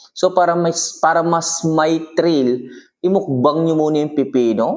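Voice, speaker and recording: A man's voice, fairly high in pitch. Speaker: vlogger giving love advice. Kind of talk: casual monologue vlog. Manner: halting, frequent uh fillers.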